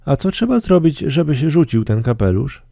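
An innocent little boy prince from a storybook, asking soft, puzzled questions in a voice lifted well above a grown man's, as a male reader puts him on. The tone swoops up and down, with a gravelly edge underneath. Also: a little high, very animated, moderate pace, dry recording, clean studio sound, pitched above the performer's own voice. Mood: wondering. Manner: wondering, gently puzzled questions.

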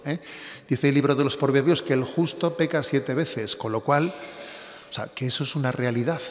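Man preaching in a reverberant hall. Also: mid-range voice. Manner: conversational preaching with frequent tag questions. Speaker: bishop. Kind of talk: sermon-like spiritual reflection.

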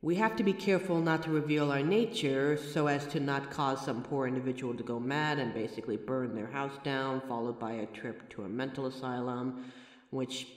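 A man's voice: medium pitch, normal speed, natural voice. A man voicing a person's own mirror reflection, a sentient being of light, who explains things patiently to the listener with chatty, wry asides. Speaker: audio roleplay voice actor. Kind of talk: scripted audio roleplay addressed to the listener. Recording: echoey room with long reverb.

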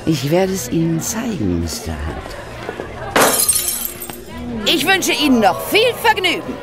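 Affected, theatrical film diva for radio drama: haughty, extremely varied intonation. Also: female voice, mid-range voice, huge pitch swings, a little slow. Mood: haughty, offended. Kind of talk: German radio play acting. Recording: party crowd and music behind.

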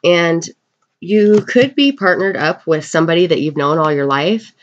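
A woman getting over a cold gives a casual tarot card reading, speaking haltingly with unhurried pauses. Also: lowish voice, slight background noise. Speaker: tarot reader. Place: indoors at a table in a room. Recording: dull, lo-fi webcam sound.

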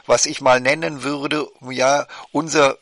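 Gravelly-voiced man hosting a talk. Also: medium pitch, little pitch movement, slow pace, a bit bright, dry recording. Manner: rambling, many fillers and restarts. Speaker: talk show host and moderator. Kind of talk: casual online panel discussion.

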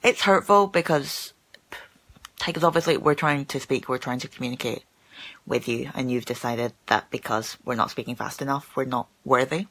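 In a small room, a young woman films herself on an arm's-length phone while live-streaming, stammering through casual chat with plenty of fillers and repetitions. Her pitch is extremely low, slightly bright, and her pace moderate.

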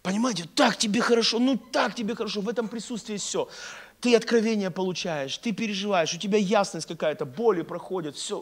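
A middle-aged man preaching as a pastor in a conversational, animated way, with rhetorical questions and emphatic repetition, speaking into a handheld microphone on an indoor stage. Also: sits high. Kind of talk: conversational sermon to a congregation.

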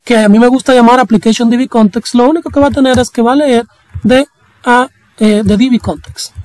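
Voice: mid-range voice, a little fast, darkish tone, no room sound, rough recording. A young adult programming instructor, talking through a coding tutorial in a casual, chatty way with slang and joking asides. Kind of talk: screen-recorded coding tutorial.

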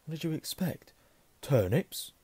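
A man's voice: fairly high pitch, big pitch swings, unhurried, mellow, slightly rough, no room sound, voice pushed up, exaggerated voice. A man voicing a sleepy teenage boy who gets easily amazed, in a drawling voice. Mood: drowsy.

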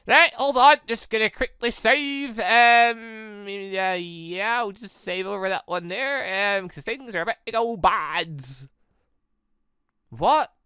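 A British gamer giving excitable, rambling let's play commentary and often breaking off mid-thought. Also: mid-range voice, takes it slowly, clean tone, no echo, studio quality. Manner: excitable, rambling, self-interrupting. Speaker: gaming video host. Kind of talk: let's play commentary, reading dialogue aloud. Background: game music.

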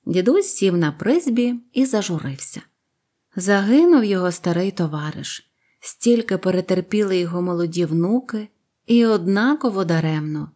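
A woman reading a fairy tale aloud in a calm, tender narrating voice. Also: lowish voice, moderate pace. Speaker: storyteller.

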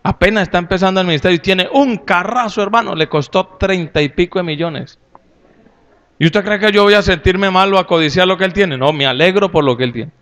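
Un hombre con acento colombiano predica un sermón con su propia voz, algo aguda y de timbre limpio y resonante. Habla de forma campechana y jocosa. Lanza preguntas y comentarios directos a los fieles. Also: male voice, high voice. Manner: folksy and humorous, with lively asides to the audience. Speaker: pastor. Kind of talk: sermon to a congregation.

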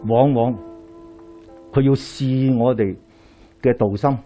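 A middle-aged man with a Hong Kong Cantonese accent, a Daoist priest giving a lecture to a live audience, telling stories with lively rhetorical questions as he moves about. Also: medium pitch, slow, soft background music. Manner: animated storytelling with rhetorical questions, pacing while gesturing. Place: small lecture hall indoors, in front of a screen.

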